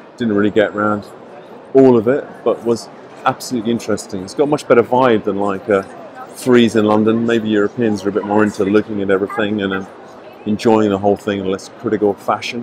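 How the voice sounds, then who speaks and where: With light background noise behind him, a man speaks in a plain, everyday voice at a fairly low pitch with fairly even intonation. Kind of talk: casual walking commentary. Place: hall. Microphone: phone near.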